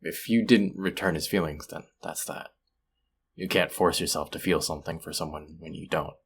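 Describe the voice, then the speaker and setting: A man acting a friendly, sympathetic young man in an intimate, conversational audio roleplay, speaking gently and at times hesitantly. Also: fairly even intonation, moderate pace, exaggerated voice. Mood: gentle, sympathetic. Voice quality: low, gravelly, husky.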